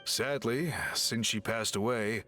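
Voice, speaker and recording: A man's voice: medium pitch, takes it slowly, bright, forceful tone. An actor playing a courteous, scholarly tribal craftsman in a video game, speaking formally and precisely. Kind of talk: video game character dialogue. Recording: faint music behind the voice.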